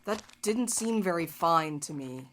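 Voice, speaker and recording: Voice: mid-range voice, lively intonation, measured pace, a bit bright, slight background noise. A performer playing a blunt, wry and loyal tough companion in an audio drama. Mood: brisk, practical.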